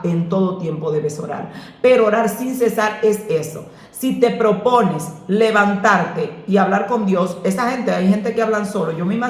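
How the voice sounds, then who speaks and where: A woman pastor, answering questions about prayer in an earnest, preacherly way that slips into lively storytelling. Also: medium pitch. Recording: echoey room.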